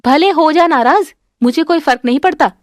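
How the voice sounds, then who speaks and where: A woman's voice: high-pitched, normal speed, no echo, clean studio sound, voice pushed up, lightly acted. A woman voicing a jealous, scheming young daughter-in-law who answers back shrilly and defensively. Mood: protesting.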